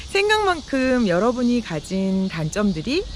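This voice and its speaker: The speaker is a woman. Behind her there is noticeable background noise. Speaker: image stylist. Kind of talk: tutorial.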